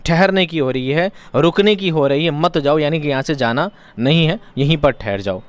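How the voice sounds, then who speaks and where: A man's voice: a little high, normal speed, smooth. A man teaching an exam-prep lesson, explaining each point by repeating it in other words and asking rhetorical questions.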